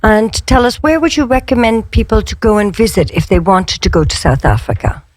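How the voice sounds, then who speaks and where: A woman's voice: mid-range voice, sing-song, a little fast, darkish tone, no echo. A woman hosting a conversational English-lesson radio show, chatty and inquisitive, asking questions in simple, reassuring phrases. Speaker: radio host and English teacher.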